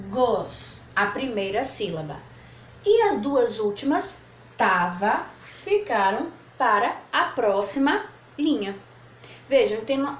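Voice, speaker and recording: Woman teacher, patient classroom tone, slightly high pitch, roomy echo. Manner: patient, spells out syllables slowly. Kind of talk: classroom lesson at a board. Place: room with whiteboard. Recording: echoey room, faint background noise.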